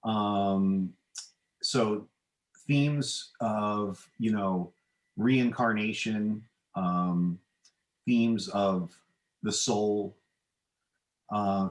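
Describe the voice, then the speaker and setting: A middle-aged man, an author and podcast guest, answering in a hesitant, measured, modest way, with a roomy, echoing sound. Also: fairly low pitch. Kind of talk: conversational interview answers.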